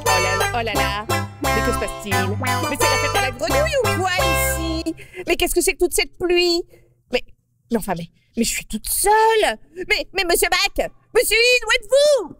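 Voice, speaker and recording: A woman's voice: very high voice, big pitch swings, normal speed, over loud music, pitched above the performer's own voice. A woman voicing a dramatic, easily frightened female apple, theatrical and exclaiming. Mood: alarmed.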